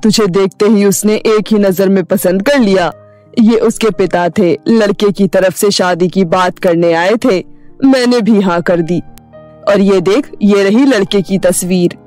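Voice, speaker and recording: A woman voicing a kindly elderly father in a village, telling his daughter good news in an animated story. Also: medium pitch, measured pace, no room sound, soft background music, close to an everyday voice. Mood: joyful. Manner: warm, fatherly and excited. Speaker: voice-over artist.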